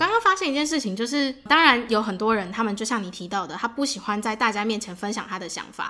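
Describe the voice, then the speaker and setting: Over noticeable background noise, a woman with a fairly high voice and lively intonation talks at a very fast pace with hardly any pauses. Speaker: podcast co-host. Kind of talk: casual chat.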